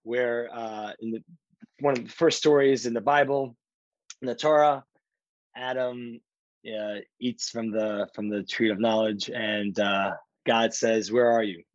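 A man hosting a podcast interview, affirming his guest in a casual, halting way with many fillers. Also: mid-range voice, fairly even intonation, no echo, dull audio. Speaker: podcast host.

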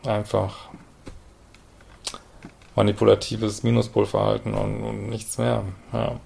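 A man's voice: mid-range voice, steady tone, moderate pace, creaky, darkish tone, slight background noise. A man hosting a podcast as a couples therapist, commenting bluntly and directly on a listener's letter and often ending with a questioning "ne?".

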